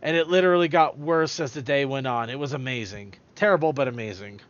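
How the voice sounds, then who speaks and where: A man's voice: mid-range voice, fast, highs cut off. A man hosting a podcast in casual chat, rambling and stumbling over his words as he goes. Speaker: podcast host.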